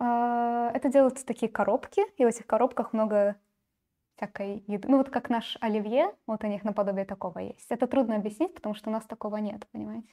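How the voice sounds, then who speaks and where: This woman's fairly high voice has a dark, mellow tone and fairly even intonation, moving at a fairly quick pace. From Belarus. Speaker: shogi student, tournament winner. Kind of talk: casual live stream chat.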